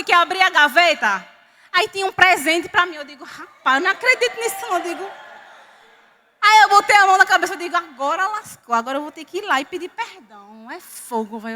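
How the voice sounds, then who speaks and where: A woman from Northeastern Brazil preaching a sermon, telling a personal story with lively quoted dialogue. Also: very high voice, a little fast. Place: church hall. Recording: reverberant church hall.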